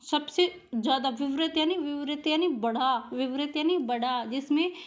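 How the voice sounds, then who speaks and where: A woman's voice: high voice, moderate pace. A woman teacher giving a grammar lesson for exam students, patiently repeating each question and then answering it herself. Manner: patient, drills vowel sounds aloud.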